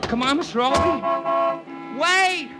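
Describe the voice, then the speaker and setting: An actor playing a slangy, excitable Hollywood talent agent in a 1940s radio drama, narrating and chasing. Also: male voice, extremely high pitch, a little slow. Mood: frantic. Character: brash fast-talking Hollywood agent. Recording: old radio drama with music.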